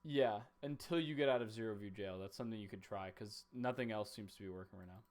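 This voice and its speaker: A man's voice: fairly low pitch, quick pace, a little mellow. A man in his twenties hosting a casual call, giving frank, laid-back advice in short replies. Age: 20s. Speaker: host.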